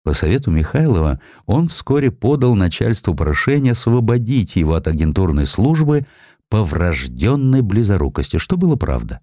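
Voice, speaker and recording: Deep, expressive male storyteller. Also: normal speed, no room sound, studio quality. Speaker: narrator. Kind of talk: dramatised historical narration.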